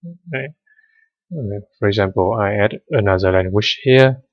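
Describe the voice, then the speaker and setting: In a screen-recorded coding lesson, a male tutor, a native Vietnamese speaker, explains code step by step, his voice lowish and his pace moderate. He hesitates a lot, using fillers, and the audio is dry and dull.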